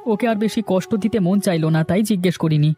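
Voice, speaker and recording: A man's voice: high voice, quick pace, mellow, close to an everyday voice. A man voicing a poor, kind fisherman in a cartoon story, earnest and exclamatory. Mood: earnest, tender. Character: poor, tender-hearted fisherman husband. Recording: music under the voice. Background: music.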